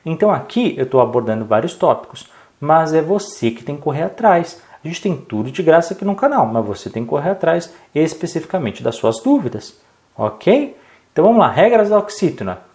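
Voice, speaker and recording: A man's voice: on the high side, fairly quick. A man with a Brazilian accent teaching an exam-prep lesson, explaining step by step and constantly checking in with "right?" tags. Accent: Brazilian Portuguese. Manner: lively, peppers speech with "tá bom?" and "né?" checks; explains step by step, asking and answering his own questions.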